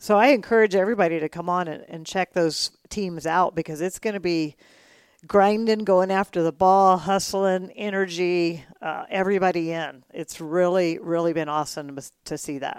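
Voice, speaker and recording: Speaking with an American accent and a plain, everyday voice, a woman keeps a fairly low pitch, fairly even intonation and a moderate pace in a very clean recording with a silent background and a dry, close sound with no echo. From Texas. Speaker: university athletic director. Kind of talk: interview.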